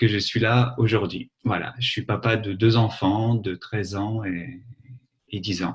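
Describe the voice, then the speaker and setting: A man's fairly low, somewhat breathy voice at a very slow pace, with fairly even intonation. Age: 40s. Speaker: guest. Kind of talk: casual chat.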